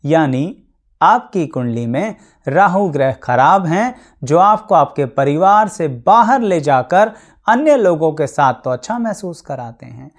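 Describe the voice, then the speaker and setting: A man's voice: on the high side, lively intonation, measured pace. A man speaking as an astrologer, explaining things to his viewers in a plain, practical way with everyday examples and English words mixed in. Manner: mixes English words into Hindi.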